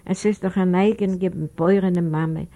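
Woman as a soothing motherly nanny, low warm voice, gentle. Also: steady tone, moderate pace, close to an everyday voice. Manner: gentle, consoling.

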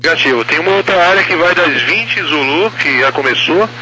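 A man's voice: on the high side, lively intonation, fairly quick. Brazilian man on noisy control radio. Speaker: air traffic controller. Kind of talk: procedural radio instructions. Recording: noisy radio with background hum.

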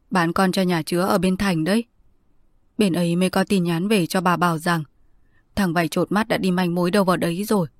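A woman voicing a tender, worried old blind grandmother who speaks in a hushed, close voice in a read-aloud story. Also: lowish voice, no room sound, lightly acted.

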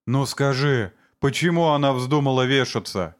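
A man voicing a vengeful man who sneers at and shouts accusations against his brother-in-law. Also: medium pitch, moderate pace, voice pushed up, lightly acted. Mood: furious.

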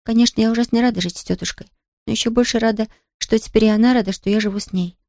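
A woman voicing an earnest young orphan girl in an audiobook, speaking with bright, emphatic sincerity. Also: fairly high pitch, fairly even intonation, racing, dry recording, clean studio sound, pitched above the performer's own voice, close to an everyday voice. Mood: musing. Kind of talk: audiobook character reading.

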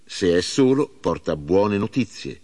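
A man voicing an old king, a father mourning his son, in a solemn, measured reading. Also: deep voice, lively intonation, a little mellow, breathy edge, full character voice.

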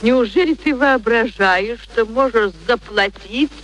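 An actor playing a kindly, composed gentleman in a radio play, soothing and mildly reproving in a paternal way. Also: extremely high pitch, a little slow, poor audio. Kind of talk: theatrical radio play acting. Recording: old radio recording, faint noise.

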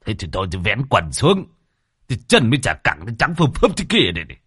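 A man narrator voicing a gruff retired old village grandfather who barks and curses. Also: medium pitch, wildly swooping pitch, fairly quick, pushed and bright, no room sound, studio quality, full character voice. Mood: fussing banter. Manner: cursing, barking outbursts.

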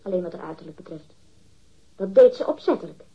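A woman's voice: lowish voice, expressive, fast talker, breathy edge. An actress in a radio drama playing a catty, defensive woman witness, disdainful and emphatic as she gossips. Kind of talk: acted radio drama dialogue. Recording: dull, muffled lo-fi radio recording.

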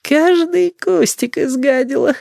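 A man reading a story and voicing a nosy, grumbling old grandmother in a high, drawling, sing-song voice. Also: a little slow, creaky, a little mellow, no echo, studio quality, heavily acted. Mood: querulous.

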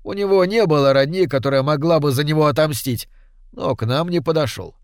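Man reading a story out loud, steady, kinda high voice, dead dry sound. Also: clean tone, no echo. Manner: measured storytelling. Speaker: audiobook reader. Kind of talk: scripted narration.

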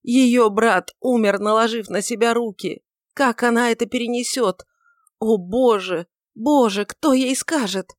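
A woman reading aloud and voicing a grown male rebel, stunned and fearful, breaking into hoarse exclamations. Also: on the high side, measured pace, no room sound, clean studio sound, voice pushed up, lightly acted. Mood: shaken. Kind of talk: audiobook reading of a dramatic novel.

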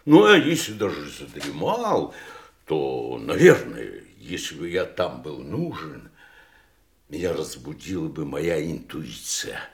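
An actor playing an old family doctor in an audio drama, deliberate, musing and gently self-ironic. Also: male voice, very deep voice, big pitch swings, exaggerated voice. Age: older. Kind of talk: stage-trained audio drama acting.

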